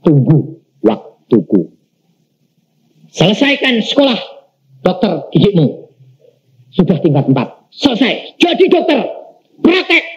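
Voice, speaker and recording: A man voicing God in a sermon, giving slow, drawn-out commands. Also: high-pitched, wildly swooping pitch, heavily acted. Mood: patient. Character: God, a calm commanding male voice. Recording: dull lo-fi sermon recording.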